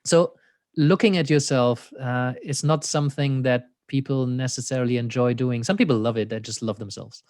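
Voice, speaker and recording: A man with a German accent, speaking in a mid-range voice as a thoughtful interview guest. He muses aloud, laughs easily and fills pauses with "you know." The sound is close and dry, with no room around it. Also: mid-range voice, fairly even intonation, a little mellow, no echo. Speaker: existential coach, interview guest. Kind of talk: reflective conversational interview.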